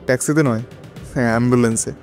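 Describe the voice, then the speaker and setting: An anxious man played by an actor in an audio drama, with music behind him. His voice sits at a middling pitch, and he speaks in halting, dramatic fragments, full of hesitation and unease. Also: steady tone, a little mellow, close to an everyday voice. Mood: shaken relief. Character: anxious, hesitant widowed lover narrating his own unease. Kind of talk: Bengali audio drama narration and dialogue.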